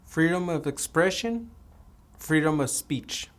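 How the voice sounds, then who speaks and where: Brief: man, somewhat high voice, applicant giving brief answers, slight hesitations. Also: expressive, takes it slowly. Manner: short, plain answers with small hesitations. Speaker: mock citizenship applicant. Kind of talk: scripted mock interview.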